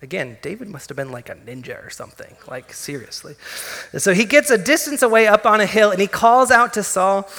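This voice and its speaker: A male pastor preaching a sermon in a church sanctuary, retelling scripture with animated storytelling and casual humor. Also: sits high, brisk. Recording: long hall reverb.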